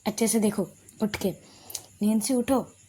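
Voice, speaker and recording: A woman voicing a female teacher in an audio love story, calm, gently firm and a little teasing. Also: medium pitch, a little slow, breathy edge.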